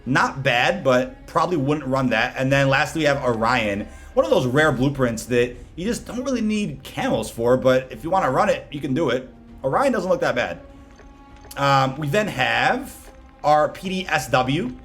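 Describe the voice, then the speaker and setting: A man's voice: mid-range voice, lively intonation, normal speed, a bit bright, faint music behind. A man hosting a gaming video with casual, slangy gameplay commentary. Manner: slangy, informal.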